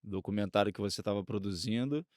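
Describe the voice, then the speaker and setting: Lowish-voiced Brazilian man, dry sound. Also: fast, darkish tone, dry recording. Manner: hesitant, repeats phrases, adds question tags. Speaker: podcast co-host. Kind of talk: casual conversational commentary.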